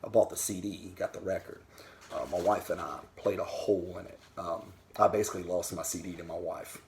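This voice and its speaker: Deep-voiced man ranting casually about records. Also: fairly even intonation, fairly quick, a little hiss or hum. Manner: candid, rambling, swears freely. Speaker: vinyl record vlogger. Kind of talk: casual talk to camera. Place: home den.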